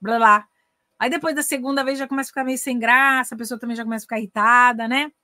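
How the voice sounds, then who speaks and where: A middle-aged Brazilian woman teaches English in a relaxed online masterclass. She speaks with a Brazilian Portuguese accent and a lively, animated delivery, acting out dialogues between languages. Her voice is recorded dry and close, with no room echo. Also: high voice, very fast.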